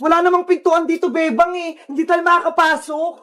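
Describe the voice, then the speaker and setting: A woman voicing a bossy friend on a rescue, hurried and commanding. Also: very high voice, steady tone, a bit bright. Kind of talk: Tagalog cartoon voice acting.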